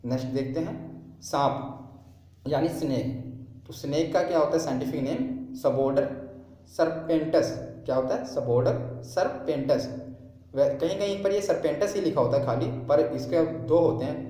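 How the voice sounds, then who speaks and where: A man's voice: on the high side, unhurried, warm tone. A man teaching an exam-prep lesson, who asks his own questions and repeats the key terms. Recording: very echoey room.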